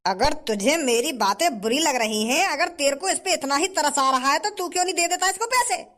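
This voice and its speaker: A man's voice: very high voice, animated, brisk, pushed and bright, exaggerated voice. A man voicing a stingy, rude male shopkeeper. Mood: defiant. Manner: scornful, rustic dialect.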